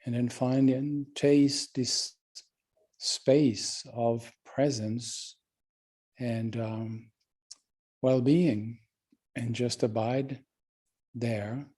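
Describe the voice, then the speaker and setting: A man teaches meditation in a relaxed, mellow voice. He speaks very slowly and gently, leaving unhurried pauses between instructions. His manner stays calm throughout. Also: medium pitch.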